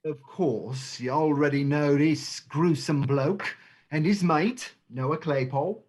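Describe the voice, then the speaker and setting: An actor playing Fagin, an oily, theatrical gang boss of street thieves, in a dramatized play reading, full of drawn-out endearments. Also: medium pitch, darkish tone, slightly rough. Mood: oily, grandiose.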